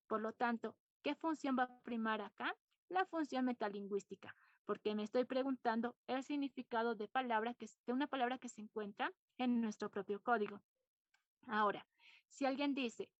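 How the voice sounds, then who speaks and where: A woman's voice: a little high, no echo, highs cut off. A woman teacher giving a lecture to her class, explaining points patiently, repeating them and putting questions to her students.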